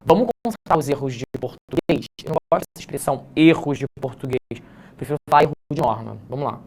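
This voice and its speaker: A man's voice: mid-range voice, quick pace, darkish tone, slight background noise. A male teacher giving a casual lesson on essay writing, chatty and explanatory, talking to students informally. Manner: mixes slangy asides with grammar points. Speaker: teacher correcting an exam essay.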